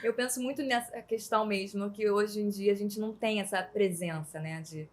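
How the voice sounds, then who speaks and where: A woman's voice: medium pitch, fairly even intonation, normal speed, a little hiss or hum. Chatty emotional woman podcast host. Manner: chatty, emotional, laughs easily. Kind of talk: casual podcast chat.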